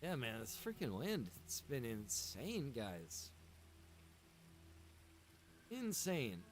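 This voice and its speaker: A man's voice: mid-range voice, huge pitch swings, takes it slowly, slight background noise. A man livestreaming from a room at home, chatting casually with his viewers in a rambling way full of "like" and "man". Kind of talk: casual chat with stream viewers.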